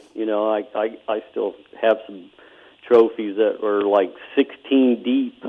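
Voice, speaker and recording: At a fairly slow pace, a man speaks. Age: 60s. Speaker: bike show organizer. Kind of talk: casual interview chat.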